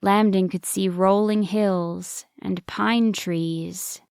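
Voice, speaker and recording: A woman's voice: medium pitch, steady tone, slow, gravelly, a little mellow, smooth, no room sound, clean studio sound. A woman narrating a scripted bedtime story for children as the storyteller.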